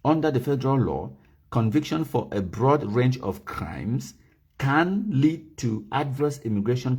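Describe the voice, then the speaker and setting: A man's voice: mid-range voice, dark tone, slightly rough. A man from Cameroon with a Cameroonian Pidgin English accent, hosting a live broadcast and reading legal text aloud to his viewers. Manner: mixes Pidgin and English, reads documents slowly and stresses key words; addresses viewers directly, asks them to type comments. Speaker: livestream host.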